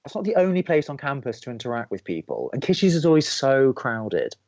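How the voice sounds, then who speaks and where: A man's voice: medium pitch, wildly swooping pitch, a little fast, a little mellow, no echo, muffled recording. A man playing an exasperated young college radio DJ, bantering with dry sarcasm and a defensive edge. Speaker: radio host.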